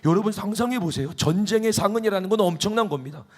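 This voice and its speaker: Male pastor, sermon, church, slightly high voice, fervent, emphatic climaxes. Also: fast. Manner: impassioned, rising into emphatic peaks. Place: church sanctuary.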